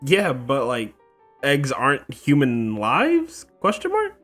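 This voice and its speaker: Female gamer host, deep-pitched, wry and informal reactions, faint music behind her. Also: wildly swooping pitch, slow. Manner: colloquial, wry, talks back to the game. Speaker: gaming video host. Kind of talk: casual reactive game commentary.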